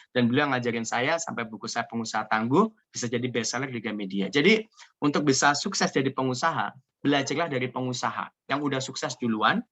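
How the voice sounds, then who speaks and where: A man from Indonesia giving an energetic, joking motivational business talk over a video call. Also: medium pitch. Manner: energetic, joking, repeats "ya" often. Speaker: seminar speaker.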